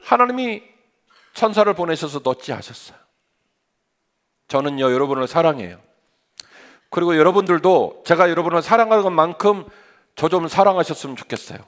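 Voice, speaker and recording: A middle-aged male pastor preaching a sermon in an animated, conversational way, full of rhetorical questions and humorous asides. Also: a little high, a little fast, pauses often.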